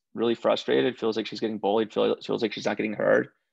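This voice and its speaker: A man is heard against a quiet background. The sound is dry, with no echo. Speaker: podcast host. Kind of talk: casual chat. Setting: video call. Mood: frustrated, earnest. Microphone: video call.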